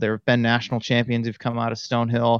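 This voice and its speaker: Against a quiet background, a man speaks with an American accent. His pitch is medium. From Central Massachusetts, US. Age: 30s. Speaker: running coach and sports journalist. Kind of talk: interview. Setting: remote call.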